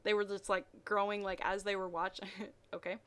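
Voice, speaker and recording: A woman reading amateur fiction aloud in a mocking way, dropping in wry, deadpan asides. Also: mid-range voice, moderate pace, clear, resonant tone. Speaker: reader and commentator.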